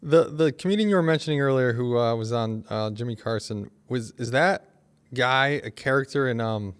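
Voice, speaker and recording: A man's voice: mid-range voice, normal speed, clean tone. A man on a show's crew chatting casually, hesitant and repeating his words. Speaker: show crew member. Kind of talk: casual chat.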